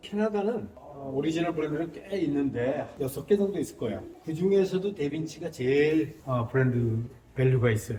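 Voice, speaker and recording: Over noticeable background noise, a man talks at a moderate pace. His pitch is fairly high and his intonation lively. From Korean living in Toronto, Canada. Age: 70s. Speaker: trader and recreational cyclist. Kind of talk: interview answer about their bike.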